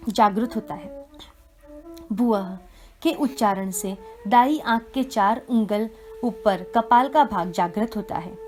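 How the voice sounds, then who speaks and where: Woman reading scripture over soft music. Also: fairly high pitch. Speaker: reader of a devotional text.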